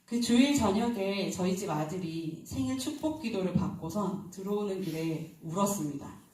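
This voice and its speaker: A woman's voice: medium pitch, lively intonation, moderate pace, a little mellow, slight background noise. A woman preacher giving an early-morning sermon in a church, talking conversationally and asking the congregation questions. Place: church sanctuary. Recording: very echoey hall, distant mic.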